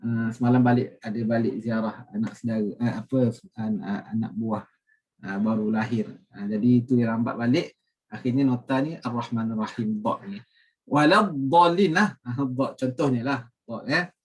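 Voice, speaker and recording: A Malaysian man teaching Quran recitation rules, explaining with many fillers and reciting the words slowly and carefully. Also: medium pitch, steady tone, a little mellow, distant mic. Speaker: religious teacher.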